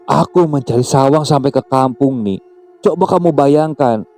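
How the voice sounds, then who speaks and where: A man's voice: medium pitch, fairly even intonation, fast talker, mellow, faint music behind, close to an everyday voice. A man voicing a flustered young father who defends himself. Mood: exasperated.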